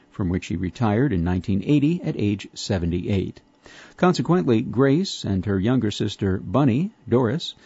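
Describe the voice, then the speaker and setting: Husky-voiced man reading aloud, dull lo-fi sound. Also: lowish voice, no room sound. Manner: measured, formal reading with steady phrasing. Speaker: reader of a magazine article. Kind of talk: scripted narration. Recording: dull lo-fi recording.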